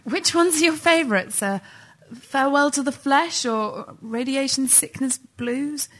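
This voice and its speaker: A woman playing a local radio talk show host who interviews a guest with brisk, pushing questions in a comedy sketch. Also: sits high, a bit bright.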